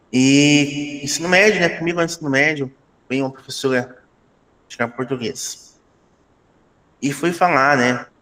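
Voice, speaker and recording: With a bright, sharp tone and fairly high pitch, a man speaks with ordinary pitch variation, big swings in loudness, and long, frequent pauses. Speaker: teacher leading a training group. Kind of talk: online training meeting.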